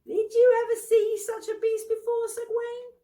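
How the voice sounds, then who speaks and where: A woman voicing a boisterous old bearded castle lord, loud, jovial and exclaiming, in a storybook reading. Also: extremely high pitch, little pitch movement, normal speed, echoey room, recorded from a distance, pitched above the performer's own voice. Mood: boastful delight.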